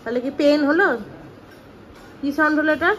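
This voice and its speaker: A young woman with a West Bengal Bengali accent, vlogging at home, coaxing her small children in a sing-song voice and chatting calmly to viewers. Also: high voice, a little fast, slight background noise. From West Bengal, India. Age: 20s. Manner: calm chatty asides to viewers. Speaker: vlogger and mother. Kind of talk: casual home vlog. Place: apartment at home.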